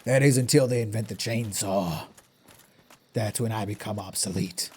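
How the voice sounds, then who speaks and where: A man voicing a boastful, gruff lumberjack who brags about beating trees. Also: lowish voice, moderate pace, darkish tone, pitched below the performer's own voice. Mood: cocky. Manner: swaggering self-praise, sing-song bragging.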